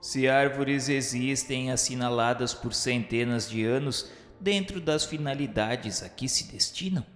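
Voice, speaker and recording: A man's voice: mid-range voice, a bit bright. Solemn Brazilian man narrating in echoing hall. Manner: formal, measured, didactic. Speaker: narrator of a spiritist radio novela. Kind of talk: scripted dramatized narration, solemn literary reading. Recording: echoey hall reverb, music underneath. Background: music.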